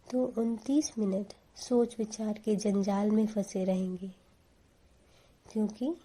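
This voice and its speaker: A woman leads a guided meditation in a very soft, mellow tone. She speaks slowly and deliberately, with a calm, soothing delivery at a medium-low pitch.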